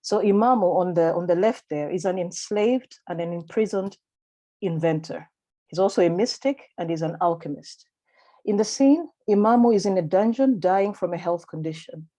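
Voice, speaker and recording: A woman with a Malawian accent reading a prepared academic paper at a conference in a measured, formal and deliberate way over a video call. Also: lowish voice, dark tone. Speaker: conference speaker.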